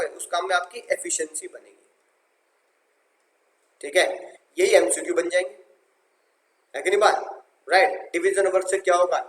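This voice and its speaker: Animated high-voiced male teacher, echoey room. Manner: animated, playful, repeats phrases and calls students "munna". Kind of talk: energetic classroom lecture. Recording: roomy echo.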